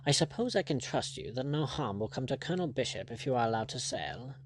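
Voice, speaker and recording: A man's voice: mid-range voice, lively intonation, fast talker, a little hiss or hum, natural voice. A man voicing a haughty aristocratic lord in an audiobook, with a cold, formal manner. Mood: stiffly reluctant. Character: haughty English aristocrat lord, stiff and indignant.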